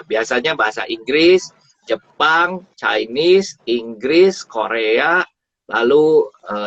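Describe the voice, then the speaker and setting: A man giving a casual, animated talk about travel on a live stream, often repeating words for emphasis. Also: medium pitch. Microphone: phone or live stream mic. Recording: dull dry live stream audio.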